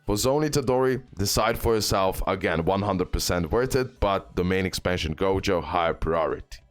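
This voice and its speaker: A man's voice: deep voice, moderate pace. A man giving casual gaming advice in an emphatic, repetitive way, often checking in with a short questioning tag. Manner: emphatic, repetitive, ends points with "okay?". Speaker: game video creator. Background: music.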